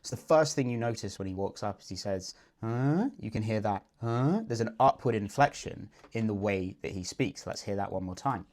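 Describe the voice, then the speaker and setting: A man's voice: lowish voice, normal speed, few pauses, darkish tone. A man working as a dating coach, confidently explaining and breaking down a client's approach. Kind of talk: video breakdown commentary.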